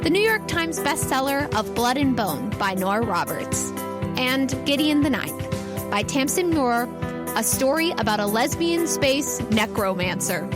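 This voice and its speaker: A woman's voice: high-pitched, very animated, a little slow. A woman narrating a tabletop game as game master and host. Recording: music playing behind the voice. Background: music.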